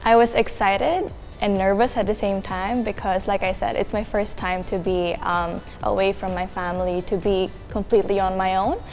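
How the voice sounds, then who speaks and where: A young woman from the Philippines speaks as an international student. She talks casually and chattily, leaning on fillers, in an ordinary mid-range voice. Soft music plays underneath. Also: medium pitch, fairly even intonation, moderate pace, hardly any pauses. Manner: chatty, many filler likes.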